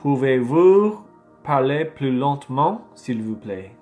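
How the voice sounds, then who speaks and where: A man, a native English speaker, practising halting, broken beginner French aloud in an informal study vlog, chatting to himself. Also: mid-range voice, expressive, a little mellow, faint music behind. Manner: halting beginner French, repeating phrases with slips. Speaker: language learner recording his study session. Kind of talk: casual chat while practising French flashcards aloud.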